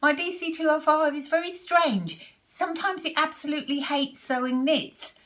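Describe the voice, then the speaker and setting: A woman's voice: sits high, normal speed, fairly bright tone. A woman in her sixties from Britain with a British accent, chatting casually to camera about her sewing and rambling through restarts and asides. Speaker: sewing vlogger.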